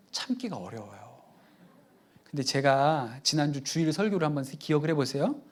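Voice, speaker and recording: A male pastor giving a sermon. He tells a family anecdote in a chatty, conversational way and often turns to the congregation with quick asides. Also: on the high side.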